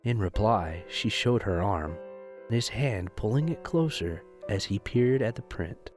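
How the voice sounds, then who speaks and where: A man's voice: lowish voice, animated, measured pace. A man reading scripted narration for an audio drama. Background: music.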